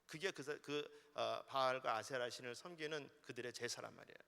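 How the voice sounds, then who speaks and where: A male pastor preaching a sermon in a church, swinging between loud exhortation and hushed asides. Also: mid-range voice, a little fast, creaky. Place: church sanctuary. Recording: long hall reverb of a church.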